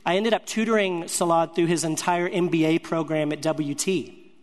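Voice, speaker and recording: A man's voice: a little high, steady tone, moderate pace, big-room sound. A man telling a personal faith story as a sermon, earnest and speaking in short broken-up phrases. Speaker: speaker sharing a ministry testimony.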